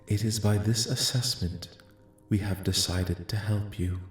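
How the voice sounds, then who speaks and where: Slow, echoing, soft-spoken alien envoy played by a man. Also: lowish voice, soft background music, close to an everyday voice. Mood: calm, gracious. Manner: formal, measured, solemn, soothing. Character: calm, benevolent alien envoy addressing a sleeping human. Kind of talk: soft-spoken ASMR roleplay. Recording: echoing, reverberant voice track.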